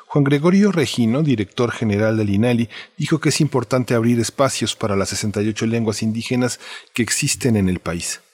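A man's voice: mid-range voice, a little mellow, no echo. A man from Mexico co-hosting a radio talk show, reading news and asking rambling questions. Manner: rambling, fills with "eh" and "este". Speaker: radio co-host.

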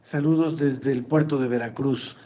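A man's voice: medium pitch, fairly even intonation, mellow. Formal male radio co-host, muffled. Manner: measured, formal announcer phrasing. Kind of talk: radio interview.

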